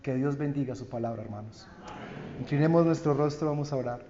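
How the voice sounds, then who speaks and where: A man with a Colombian Spanish accent, a pastor delivering a sermon in slow, earnest preaching that swells and then drops to hushed endings. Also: medium pitch, a little hiss or hum. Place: church sanctuary. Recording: dull church recording with long reverb.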